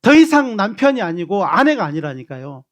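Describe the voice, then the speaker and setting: A man's voice: high-pitched, brisk. A man preaching as pastor, coaxing his congregation into greetings before closing in prayer. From Korea. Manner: animated, coaxing the congregation to repeat gestures.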